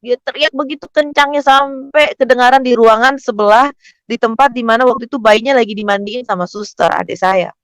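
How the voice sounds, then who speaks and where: A man's voice: very high voice, a little fast, fairly bright tone, clean tone, no room sound, rough recording. A male pastor telling a family testimony in a conversational storytelling sermon, acting out the quotes of the people in the story.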